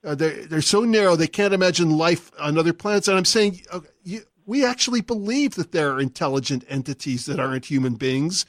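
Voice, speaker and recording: A man hosts a call-in radio talk show, laughing easily and talking through ideas at length. His voice sits a little high. The studio sound is dry and close. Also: expressive, dry recording. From California. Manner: quick to laugh, explains at length. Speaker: radio host.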